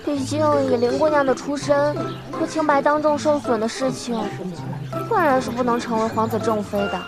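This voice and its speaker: An actress playing an anxious, gossipy young maid in a period drama, with soundtrack music behind. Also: female voice, high voice, steady tone, moderate pace, close to an everyday voice. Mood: gossiping.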